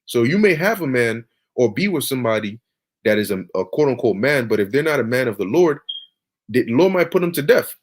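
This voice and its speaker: A man's voice: medium pitch, sing-song, fairly quick. A man preaching on scripture over a video call, emphatic and peppered with "all right" and "okay".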